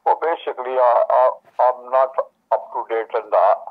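A man whose first language is Urdu talks on the phone, full of restarts and fillers. His voice comes through a narrow, tinny telephone line. His pitch sits in the middle. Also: steady tone. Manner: halting, repeats words, many fillers. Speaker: mosque representative on a phone call. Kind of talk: hesitant phone conversation.

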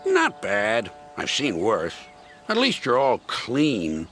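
A man's voice: fairly low pitch, wildly swooping pitch, takes it slowly, music in the background, heavily acted. A man voicing a smug, boastful male diesel engine in a storybook tale, with a sneering, scornful manner.

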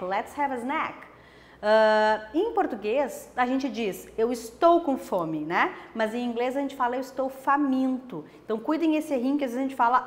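A woman teacher from Brazil leads an online lesson in a slightly raised voice. She explains patiently and slows right down whenever she gives an example phrase. The room around her has a lingering reverb. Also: fairly high pitch. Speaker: language teacher.

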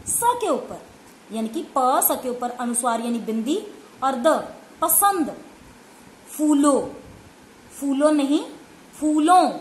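A woman with a high voice teaches young children a Hindi grammar lesson. She talks slowly and patiently, asking a question and then giving the answer herself. The recording is roomy and echoey, with a faint hiss behind her. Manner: slow, patient, spells out letters and asks questions then answers them. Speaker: primary school teacher. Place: room at home. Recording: echoey room with faint noise.

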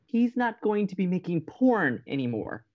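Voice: mid-range voice, big pitch swings, normal speed, lo-fi sound, lightly acted. An actor playing a dismayed, fretful young college radio co-host in an audio romantic comedy, with exasperated delivery. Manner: melodramatic, exasperated.

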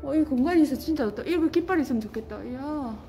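A woman's voice: high-pitched, lively intonation, fast, warm tone, soft background music. A middle-aged woman from Busan with a Gyeongsang accent, chatting on a travel vlog and exclaiming at what she finds in an indoor lounge. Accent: Gyeongsang Korean. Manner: chatty, easily delighted, exclaiming. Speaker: vlogger. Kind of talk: casual travel vlog chat. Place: indoor walking-trail lounge.

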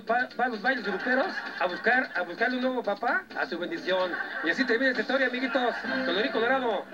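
A playful Mexican storyteller with a high voice, chuckling through slangy comic narration. Music plays clearly behind him throughout. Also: male voice, lo-fi sound. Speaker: storyteller host.

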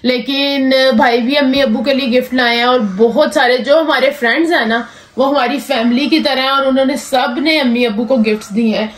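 A woman's voice: high voice, fairly even intonation, a little fast. A woman in her thirties narrating a family vlog at home, chatty and casual, mixing in English phrases. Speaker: family vlogger.

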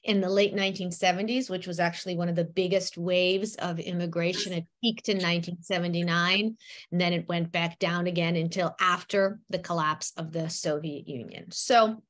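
A woman in her fifties, born in Ukraine and raised partly in the United States, telling stories in an animated way at an author talk, speaking from home on a video call. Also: lowish voice, moderate pace. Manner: animated, gestures a lot, acts out quotes. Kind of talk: lively storytelling talk. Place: home room with bookshelves. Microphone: webcam on a video call.

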